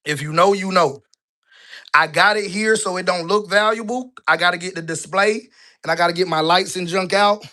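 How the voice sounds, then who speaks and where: A man in his thirties, a business vlogger, talks casually at a moderate pace in a high-sitting voice while walking through his office building, a bit out of breath. He's conversational with colloquial, relaxed grammar and keeps asking a rhetorical "right?"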